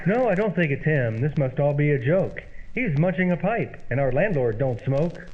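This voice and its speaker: A man's voice: on the high side, very animated, normal speed. A man playing a wry, sceptical housemate in an old-time radio comedy, speaking in theatrical rhyme. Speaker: comedy show co-host. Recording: muffled, very noisy old-time radio sound.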